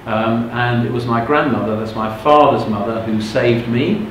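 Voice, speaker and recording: A man's voice: mid-range voice, moderate pace. Frank middle-aged man, very echoey room. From England. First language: Russian. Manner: frank and conversational, often checking if listeners follow. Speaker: motivational speaker. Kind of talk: personal storytelling to a live audience. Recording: very echoey room with background noise.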